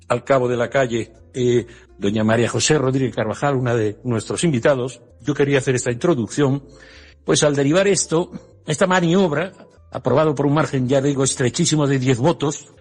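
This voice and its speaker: A man's voice: medium pitch, gravelly, breathy edge, long reverb tail. A middle-aged man hosting a program, giving an impassioned, digressive introduction full of hesitations and restarts. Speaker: program host. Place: Brussels.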